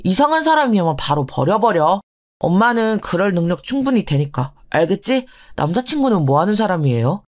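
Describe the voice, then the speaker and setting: A woman's voice: mid-range voice, sing-song, fairly quick, natural voice. A woman voicing a cheerful teenage son and daughter who tease and encourage their mother. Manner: bright, cheeky and encouraging.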